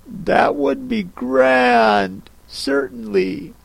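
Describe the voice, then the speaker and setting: A man's voice: very high-pitched, creaky, no room sound, voice pushed up, heavily acted. A man doing a polite, puzzled little girl. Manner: polite, cautious, soft and slow.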